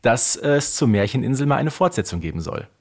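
Slightly husky man, podcast co-host. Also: medium pitch, sing-song, fairly quick. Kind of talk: casual conversational commentary.

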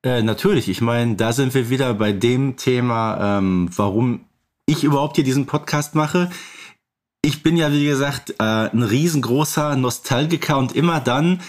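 A man's voice: mid-range voice, normal speed. A man from Germany chatting casually as the co-host of a podcast.

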